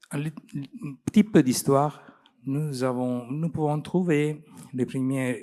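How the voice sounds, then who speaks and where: Speaking very slowly with an Italian accent, a man has a fairly high pitch, a dark, mellow tone and ordinary pitch variation. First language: Italian (speaking French). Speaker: doctor. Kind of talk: lecture. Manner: halting.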